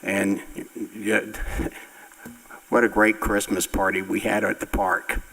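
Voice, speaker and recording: A man on the town council, talking in a rambling, halting, friendly way. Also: on the low side, flat delivery, vocal fry, pushed and bright. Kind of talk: council member comments. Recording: long reverb of a meeting hall.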